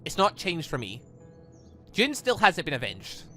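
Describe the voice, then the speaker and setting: Man reading a bright-voiced, stubborn grieving young huntress. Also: fairly high pitch, wildly swooping pitch, measured pace, faint music behind, heavily acted. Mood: bitter.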